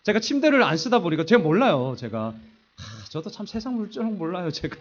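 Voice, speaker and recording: Animated man telling a sermon story. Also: high voice, a little fast, dull audio. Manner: animated storytelling, acting out quoted voices; self-deprecating humor. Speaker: pastor. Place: church sanctuary.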